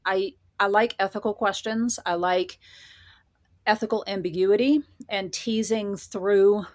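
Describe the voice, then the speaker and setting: A woman's voice: medium pitch, steady tone, unhurried, dry recording, studio quality. A woman speaking as a guest in a casual interview, reflective and articulate in an informal way. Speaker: guest, horror fiction writer.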